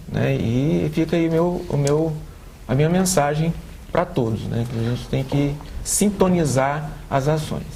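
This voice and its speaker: A man with a Brazilian accent, an accessibility adviser speaking in a panel debate, earnest and halting, often repeating words. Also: mid-range voice, creaky, a little mellow, slight background noise. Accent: Brazilian Portuguese.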